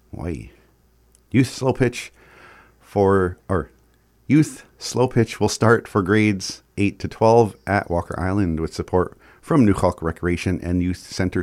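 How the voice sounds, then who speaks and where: Guy w indigenous canadian rez accent doing community notices, lowish voice, really dry sound, bit informal. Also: darkish tone, dry recording. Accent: Indigenous Canadian reservation accent. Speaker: community announcer. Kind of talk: reading scripted community announcements.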